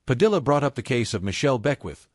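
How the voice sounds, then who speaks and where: A man reads a scripted news summary in a steady, measured way. His intonation is lively and the voice-over sounds dry and close. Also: medium pitch, no room sound. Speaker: narrator.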